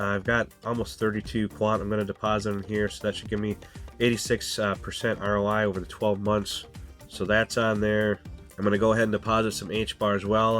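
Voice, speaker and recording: A man's voice: on the low side, a bit bright. A man hosting a casual crypto walkthrough, sounding stuffy and nasal from a cold, talking loosely with lots of fillers. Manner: casual, filler-laden, repeats "go ahead" and "guys". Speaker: crypto channel host. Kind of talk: screen-share walkthrough, casual explainer.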